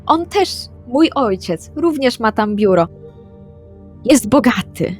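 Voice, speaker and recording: A woman's voice: fairly high pitch, sing-song, slow, darkish tone. A woman speaking in character as a player in a tabletop roleplaying session. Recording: music bed under the voice. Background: background music.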